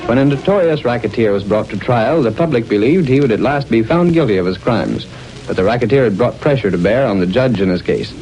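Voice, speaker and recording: A male announcer giving formal, measured narration for a 1930s radio drama, on an old radio recording. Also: medium pitch, lively intonation, darkish tone, faint music behind, rough recording.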